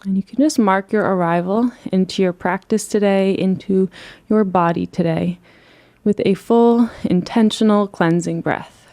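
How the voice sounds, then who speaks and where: A woman leading a guided relaxation as a meditation teacher, speaking in a soothing, gentle and unhurried way. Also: mid-range voice.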